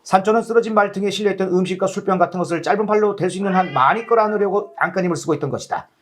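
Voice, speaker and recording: A man's voice: high-pitched, racing. A man working as a storyteller, narrating a children's tale in a dramatic, scripted style.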